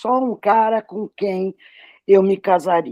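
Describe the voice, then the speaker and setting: A woman's medium-pitched voice at a very slow pace. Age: 70s. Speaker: course participant, retired journalist. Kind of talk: personal testimony in online class.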